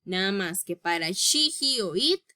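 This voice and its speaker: Woman, English teacher, unhurried, bright tone, patient step-by-step explanations. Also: mid-range voice, lively intonation. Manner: reads English rules slowly and deliberately. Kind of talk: recorded grammar lesson.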